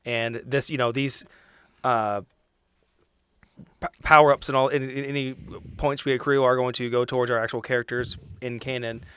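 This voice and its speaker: A man's voice: medium pitch, little pitch movement, normal speed, a bit bright, smooth, dry recording. A man chatting casually as a podcast host and tabletop player, friendly and upbeat.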